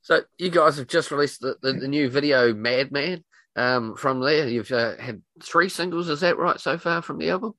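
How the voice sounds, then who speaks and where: A man's voice: fairly high pitch, normal speed, a bit bright, no echo. A man interviewing a guest, chatty and laid-back with plenty of slang. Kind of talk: casual interview.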